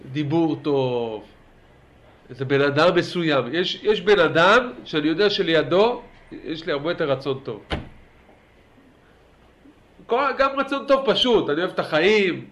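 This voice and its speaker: A man teaching a religious class in a lively lecture style, urging his listeners on and asking them questions. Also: a little high, pauses often. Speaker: Torah teacher.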